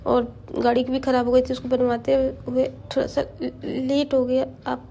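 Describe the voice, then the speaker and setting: A brash young woman full of street-slang swagger, as a woman storyteller puts her on. Her voice sits high and soft-edged, and it tumbles into stammers when she is caught out. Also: level tone, moderate pace, gravelly, a little hiss or hum. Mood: nervous, stammering. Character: brash tapori-talking young woman, cocky.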